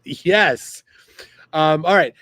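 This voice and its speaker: A man hosting a livestream in a relaxed, halting way, his voice sitting a bit on the high side. He chuckles as he reads out chat messages. The sound is dry and close. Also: no echo. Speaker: livestream host. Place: outdoors by the water.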